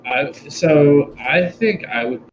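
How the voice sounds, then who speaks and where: A man's voice: on the high side, slow pace. A man playing a tabletop game, thinking aloud and restarting his sentences. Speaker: player. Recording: muffled lo-fi mic with faint noise.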